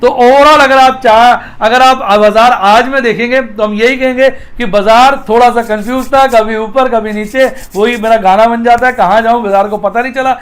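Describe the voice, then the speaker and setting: A man's voice: very high-pitched, steady tone, normal speed, hardly any pauses, a bit bright. A man giving a playful daily stock market commentary, with rhyming asides.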